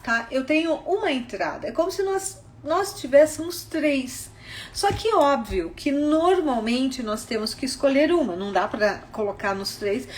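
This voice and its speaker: A woman's voice: high voice, slight background noise. A woman with a Brazilian Portuguese accent giving a live-streamed teaching talk on vocational guidance. She explains step by step and keeps checking in with her listeners. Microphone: phone on a social media live stream.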